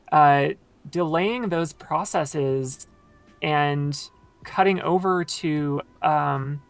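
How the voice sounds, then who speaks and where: This woman, a podcast guest, speaks in a very low register with vocal fry, her voice tired after much talking. She explains things at length, casually and with plenty of fillers, and the recording has no echo.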